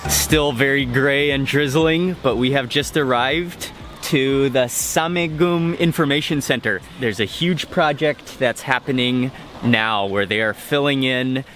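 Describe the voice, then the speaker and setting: A man's voice: mid-range voice, measured pace, fairly bright tone, soft background music. A man narrating a travel and food vlog in a casual, upbeat way, talking straight to the camera. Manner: upbeat, descriptive, talks to the camera. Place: outdoors and in public places while traveling.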